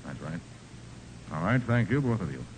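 An actor playing a brisk, confident male private detective in a 1940s radio crime drama. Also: low-pitched, sing-song. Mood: authoritative. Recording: noisy 1940s radio recording.

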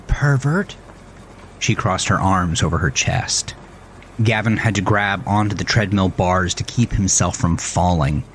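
A man's voice: low voice, fairly bright tone, a little hiss or hum. A man narrating a scripted thriller story as the storyteller.

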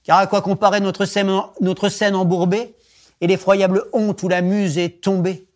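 A man introducing and then reciting a romantic poem in a measured, expressive declamation. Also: high voice. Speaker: poetry reciter. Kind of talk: poetry recitation.

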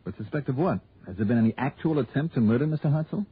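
A man's voice: medium pitch, expressive, fast, breathy edge. An actor playing a wry, skeptical male insurance investigator who also narrates in first person, in 1960s radio drama style. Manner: dry, wisecracking, skeptical. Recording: tinny old radio broadcast.

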